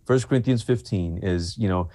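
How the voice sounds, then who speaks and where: Man from Malaysia, low voice, heartfelt guest talk, dry sound. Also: moderate pace, dark tone, no room sound. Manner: heartfelt, repeats himself while building a point. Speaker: pastor and author, guest. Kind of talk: earnest interview talk.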